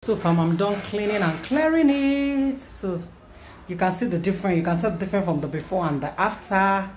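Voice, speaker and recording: In a noisy home-camera vlog shot on a tripod in her small kitchen, a Nigerian-accented mother in her thirties speaks chattily, repeating herself and tossing in playful self-praise. Her mid-range voice is expressive with a darkish tone, at normal speed.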